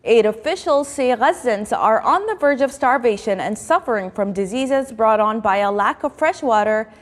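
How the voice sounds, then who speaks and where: A woman's voice: a little high, animated, moderate pace, in a large hall. A woman news presenter reading a formal, scripted news bulletin.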